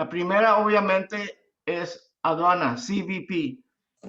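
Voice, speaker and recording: In a non-native accent, a man talks with a high pitch. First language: English (speaking Spanish). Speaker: customs broker and consultant. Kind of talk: webinar presentation. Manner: halting.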